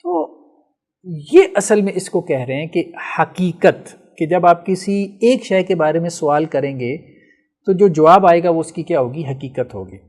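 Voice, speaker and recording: A man with a high voice lectures on logic to his class. He moves patiently through each point, posing questions and answering them himself, and often stops to check that the students follow. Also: lively intonation, darkish tone. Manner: explains step by step, asks and answers his own questions; often checks with "theek hai". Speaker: teacher of logic.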